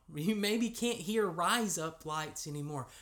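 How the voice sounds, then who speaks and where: In a plain, everyday voice, a man with an American accent speaks at a fairly slow pace with lively intonation. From United States. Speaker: preacher. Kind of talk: sermon.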